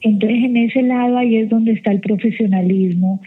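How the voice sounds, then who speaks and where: A woman's voice: fairly high pitch, steady tone, normal speed. A woman from Colombia, guest on a show, giving firm advice over the phone. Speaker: guest, event organizer. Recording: tinny phone line.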